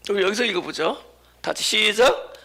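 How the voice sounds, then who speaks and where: High, gravelly man preaching with fervor. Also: a little fast. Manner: rising to emphatic shouted refrains, then dropping low; acts out the questions and replies he quotes. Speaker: pastor. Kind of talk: sermon. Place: church sanctuary.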